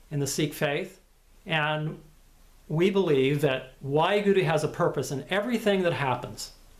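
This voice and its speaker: There is audible room echo as a man speaks fairly slowly at a high pitch. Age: 60s. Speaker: Sikh elder sharing spiritual advice. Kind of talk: personal talk to camera. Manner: hesitant, many fillers.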